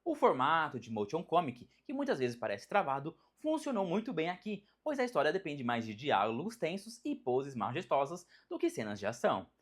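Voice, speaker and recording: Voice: medium pitch, husky. A narrator with a Brazilian accent reading a scripted video essay in a dramatic, emphatic storytelling way. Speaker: narrator of a video about animated superhero films.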